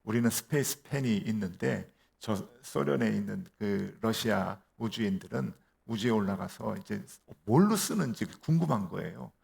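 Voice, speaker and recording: 목사가 흉내 내는 우쭐대는 미국 우주인 남자. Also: male voice, on the low side, animated, moderate pace, gravelly, few pauses, a little mellow. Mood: smug. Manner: mocking, condescending questions. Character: boastful male American astronaut, smug and condescending.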